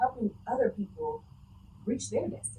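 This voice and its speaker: Somewhat brisk speech from a woman in a Southern US accent. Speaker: actress. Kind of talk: interview. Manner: hesitant, with fillers.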